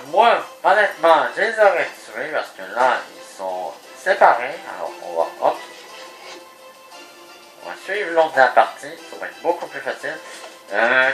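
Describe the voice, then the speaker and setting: A man's voice: medium pitch, rough recording. A man with a Québécois accent giving casual, joking commentary over his gameplay. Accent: Québécois French. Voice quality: lively, joking, mock sportscaster asides. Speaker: gaming video host. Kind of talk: casual let's play commentary.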